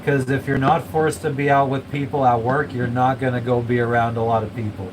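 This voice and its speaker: Male vlogger, monotone casual rambler, middle pitch, noisy recording. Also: brisk. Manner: rambling, swears a lot, self-described monotone. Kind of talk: casual chat. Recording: noisy room with air conditioning and traffic hum.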